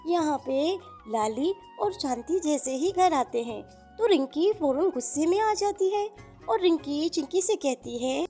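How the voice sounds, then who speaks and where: High, mellow-voiced woman storyteller. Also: lively intonation, a little slow, faint music behind. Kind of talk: children's moral story narration.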